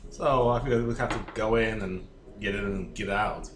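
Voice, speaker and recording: A man's voice: lowish voice, normal speed. A man playing a tabletop game, talking casually with the group about what to do. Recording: echoey room with faint background noise.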